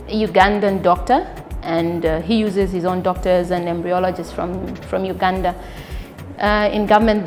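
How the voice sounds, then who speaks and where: A woman from Zambia, an obstetrician-gynecologist giving an earnest, measured testimonial with frequent pauses. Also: mid-range voice, a little mellow. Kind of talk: spoken testimonial.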